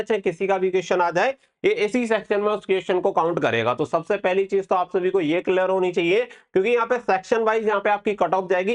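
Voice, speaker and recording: A man hosting an exam-prep update, explaining things to students step by step and repeating key points. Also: high-pitched. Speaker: exam-prep channel host.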